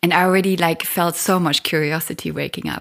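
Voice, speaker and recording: In a very clean recording with a silent background, a woman with a German accent speaks at a fairly low pitch. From Germany. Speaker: cacao ceremony facilitator. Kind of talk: interview.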